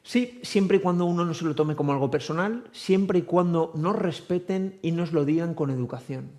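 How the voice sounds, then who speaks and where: Male psychologist guest, TV interview, slightly high voice, patient explainer, leans on "eh" fillers. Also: moderate pace. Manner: explains calmly with examples, frequent filler "eh".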